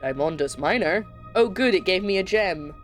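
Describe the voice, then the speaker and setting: A woman's voice: lowish voice, expressive, moderate pace, faint music behind. A young Scottish woman chatting casually while streaming a puzzle game, rambling and breaking off mid-thought. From Scotland. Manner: chatty, rambling, with frequent self-interruptions.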